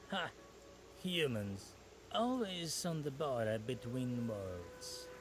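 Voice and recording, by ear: A man's creaky, put-on character voice at medium pitch, very slow, over clear background noise.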